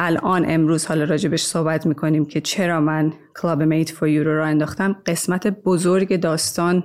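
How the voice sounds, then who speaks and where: Keeping a moderate pace, a woman speaks with a very deep, low pitch and fairly even intonation. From Iran, raised in Norway from age nine. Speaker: entrepreneur. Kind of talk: casual chat.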